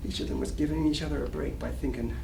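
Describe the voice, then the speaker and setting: An actor playing a cocky, wistful small-time 1920s New York gambler, telling rambling stories in slangy wiseguy talk at a dramatic play reading. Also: male voice, on the high side, steady tone, fast talker. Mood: wistful, resigned. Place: library reading room. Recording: roomy distant live recording, clear noise.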